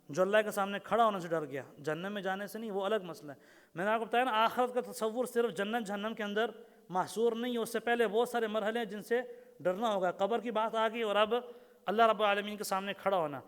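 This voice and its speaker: High-voiced man giving a sermon in a hall. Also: a bit bright, clear, resonant tone. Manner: storytelling, repeats phrases, recites Arabic verses; asks the audience questions. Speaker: religious lecturer. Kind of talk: Urdu sermon lecture.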